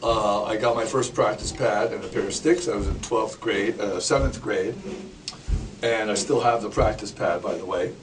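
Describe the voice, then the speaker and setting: A man's voice: lowish voice, moderate pace. A Canadian man in his sixties, a drummer and educator, telling stories in a casual interview with small jokes. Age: 60s. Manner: relaxed storyteller, sings snippets, jokes. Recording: distant mic with clear background noise.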